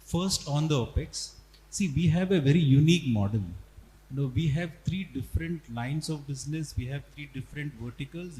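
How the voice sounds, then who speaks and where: A man's voice: fairly high pitch, darkish tone. A man with an Indian accent, a company executive on an earnings call, explaining things step by step with emphatic repetition. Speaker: company executive answering analysts. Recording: echoey reverberant hall, faint noise and hum.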